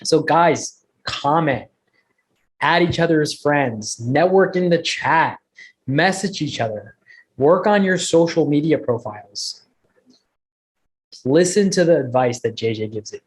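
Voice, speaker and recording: A man's voice: on the high side, lively intonation, a little slow, long pauses, slightly rough, rough recording. A man originally from Bangladesh, speaking as a guest to an online networking group, telling his story with energy and emphatic repetition.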